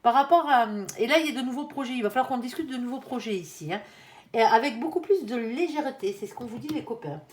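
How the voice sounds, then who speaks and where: A chatty woman lays out tarot cards for her audience, sprinkling her talk with quick asides and playful warnings. Her voice sits fairly high for a woman. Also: lively intonation. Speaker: tarot reader. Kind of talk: casual tarot reading.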